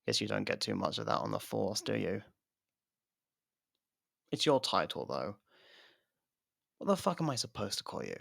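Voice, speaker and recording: Casting: male actor for a sarcastic, guarded convict murderer in ASMR audio drama; very gravelly, close dry sound, needling and foul-mouthed. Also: fairly low pitch, wildly swooping pitch, normal speed, pauses often, a bit bright, no echo, exaggerated voice. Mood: sardonic needling.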